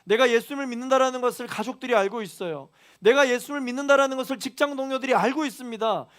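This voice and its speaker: A man's voice: very high voice, fast talker, a bit bright. A male pastor preaching a sermon to a young adults' congregation, building emphasis as he goes. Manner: preaching with rising emphasis and quoted prayers. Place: church youth hall.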